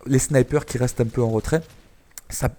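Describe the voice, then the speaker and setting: A man's voice: mid-range voice, fairly even intonation, normal speed, mellow. A man from France giving chatty, explanatory commentary over a shooter gameplay video, with many hesitations. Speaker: gaming YouTuber.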